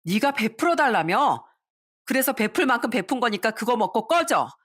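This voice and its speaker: A woman voicing her own younger self as a furious wife, shouting sharply at her in-laws in a storybook drama. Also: a little high, sing-song, normal speed, slightly rough, voice pushed up, full character voice.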